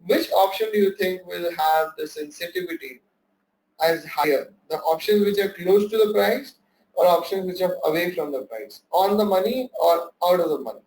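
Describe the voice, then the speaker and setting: A man's voice: high voice, animated, moderate pace, vocal fry, a little mellow, slight background noise, rough recording. A young man teaching options trading in a live online workshop, quizzing his audience and repeating key points. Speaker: trading instructor.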